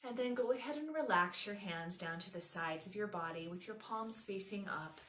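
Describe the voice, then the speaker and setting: A woman teaching yoga nidra, leading a guided meditation in a soothing, instructive, unhurried way. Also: mid-range voice, fairly bright tone, roomy sound.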